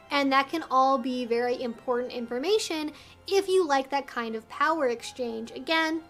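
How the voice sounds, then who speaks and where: A woman with a high voice hosts an educational video. She explains things earnestly and articulately, as if from prepared notes. Faint music plays behind her. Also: fairly bright tone. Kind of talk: explainer video to camera, semi-scripted.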